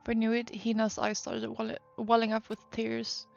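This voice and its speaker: A woman's voice: on the high side, completely flat delivery, normal speed, vocal fry, darkish tone, muffled recording, soft background music. A woman streamer reading a game's story aloud live, narrating and doing all the parts.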